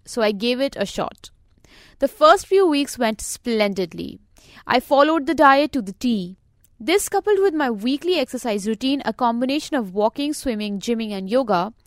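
A middle-aged woman reading her own scripted personal story as a podcast narrator, measured, wry and reflective. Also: a little high, no echo, clean studio sound.

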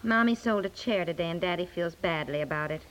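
A woman's voice: on the low side, brisk, natural voice, rough recording. A woman playing a practical, exasperated housewife and mother in 1950s radio comedy, coaxing and chiding. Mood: placating. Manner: coaxing, chiding, matter-of-fact.

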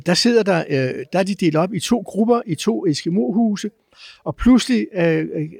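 A man telling adventure stories as a guest, lively but halting, with many filler sounds. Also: high-pitched, gravelly, no room sound, clean studio sound. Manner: lively, acts out chants and sounds. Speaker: guest explorer. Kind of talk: animated storytelling.

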